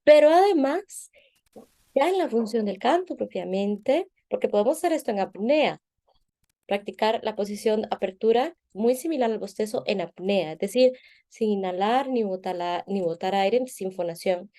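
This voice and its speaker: Mellow-voiced woman voice teacher. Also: mid-range voice, animated, normal speed. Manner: patient, teacherly, checks in with "¿verdad?". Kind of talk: explanatory interview answers. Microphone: video call.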